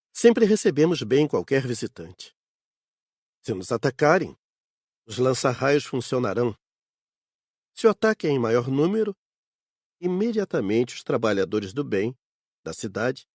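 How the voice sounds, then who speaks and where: A man's voice: mid-range voice, sing-song, a little slow, long pauses, darkish tone, no room sound, studio quality. A man playing an assured, steadfast spirit worker, telling his account as audiobook dialogue. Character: adult male spirit worker defending the book fair, steadfast.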